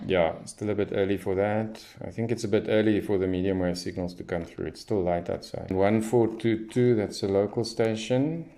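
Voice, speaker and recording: A man's voice: lowish voice, fairly even intonation, normal speed, hardly any pauses, dark tone. A man giving casual hands-on commentary as a radio hobbyist, thinking aloud as he tests. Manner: unscripted, thinking aloud while testing.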